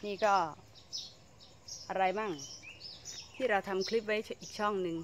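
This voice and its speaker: A woman's voice: medium pitch, fairly even intonation, measured pace, background noise. A woman giving a chatty, casual tour of her home vegetable garden, exclaiming and laughing as she shows the plants. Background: birdsong.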